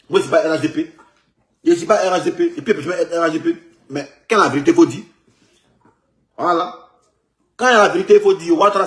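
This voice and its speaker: An Ivorian man speaks in a fairly high voice, with clear room echo around him. He argues in a casual street style, hammering phrases again and again in a mocking, emphatic manner, like someone in a heated political rant.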